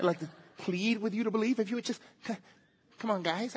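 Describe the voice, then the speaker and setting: A put-on, nasal character voice, fairly high in pitch, at a very fast pace. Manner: earnest, pleading.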